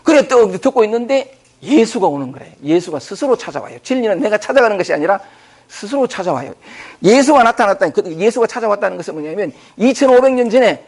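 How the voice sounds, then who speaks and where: A man gives an informal spiritual talk in a rather high voice. His tone is gravelly and husky. He rambles conversationally, circling back with fillers as he explains. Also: very animated, fast talker, darkish tone. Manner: conversational, loose and repetitive, thinking aloud with many fillers. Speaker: spiritual teacher lecturing on scripture. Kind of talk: informal dharma talk to a group.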